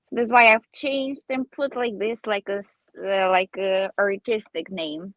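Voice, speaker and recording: A woman in her twenties from Armenia, a native Armenian speaker, answering interview questions in halting English and searching for words. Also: medium pitch, steady tone, no room sound, highs cut off. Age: 20s. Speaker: singer guest.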